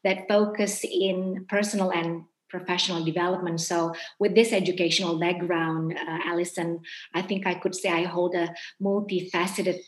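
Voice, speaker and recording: A woman in her forties from Indonesia, an entrepreneur guest speaking in a measured, reflective way with frequent ums. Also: on the low side, level tone. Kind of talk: interview answers. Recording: roomy echo.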